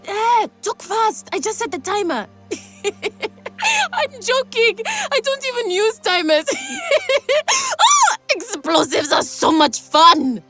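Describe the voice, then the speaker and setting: An actress voicing a manic, cheerful young woman in a video game, excitable and giggly, with a gleeful passion for explosives. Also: extremely high pitch, slow pace, soft background music, heavily acted. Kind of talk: video game character acting.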